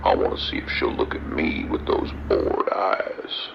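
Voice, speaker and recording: A sinister trucker in a radio drama, relishing the morbid. His voice is extremely low and gravelly, drawling slowly and menacingly. It comes through a dull, noisy CB radio. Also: sing-song, heavily acted. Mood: sinister, coaxing. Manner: menacing, taunting, theatrical drawl. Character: sinister, gleeful male trucker with morbid fascination.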